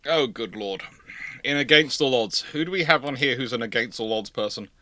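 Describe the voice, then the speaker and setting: A man's voice: mid-range voice, fairly quick, pushed and bright, no echo. A man hosting a live history Q&A in casual, chatty style, with a teasing manner. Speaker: host of a live naval history Q&A stream. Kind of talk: casual live chat, answering viewer questions.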